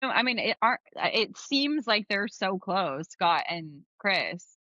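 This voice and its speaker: Casual, blunt female talker, California Valley girl accent, vocal fry, bright tone, very dry room. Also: mid-range voice, big pitch swings, unhurried, dry recording, highs cut off. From San Fernando Valley, California. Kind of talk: casual chat.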